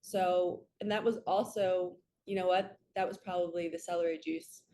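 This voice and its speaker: A woman with a slightly raspy, just-woken-up voice, hosting a casual spiritual reading vlog in an earnest, chatty way that drifts into stories. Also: on the low side, steady tone, normal speed, dark tone, a little hiss or hum. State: raspy from waking up and allergies. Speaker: host, spiritual card reader.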